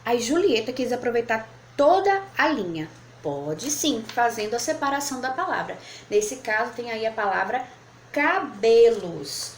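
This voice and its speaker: Woman teacher, patient classroom tone, slightly high pitch, roomy echo. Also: sing-song. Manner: patient, spells out syllables slowly. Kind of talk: classroom lesson at a board. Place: room with whiteboard. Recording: echoey room, faint background noise.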